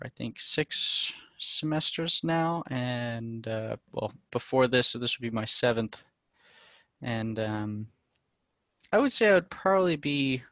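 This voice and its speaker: A young man in his twenties with a New Zealand accent, introducing himself to a webcam in a small home music room, relaxed and hesitant with many ums. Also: mid-range voice, no room sound. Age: 20s. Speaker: student musician. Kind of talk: casual self-introduction to camera.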